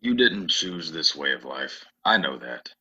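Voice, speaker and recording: A male actor plays a troubled veteran drifter in a Western audio play. The voice is very deep and raspy, with a hard forceful edge, yet the manner is earnest, halting and polite. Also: very animated, muffled recording, exaggerated voice. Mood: gentle, reflective. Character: troubled, soft-spoken male stranger, war veteran in Western town. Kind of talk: Western audio drama acting.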